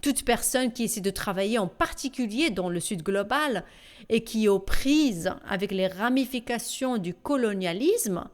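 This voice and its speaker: A woman voicing a panel discussion in a measured, deliberate way, with small hesitations. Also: medium pitch, animated. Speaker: voice-over translator.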